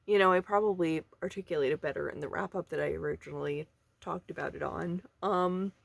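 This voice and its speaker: A woman's voice: fairly low pitch, creaky, no echo. A young woman chatting informally and bluntly about books, rambling a little and swearing casually. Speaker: book reviewer video creator. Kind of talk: casual book commentary to camera.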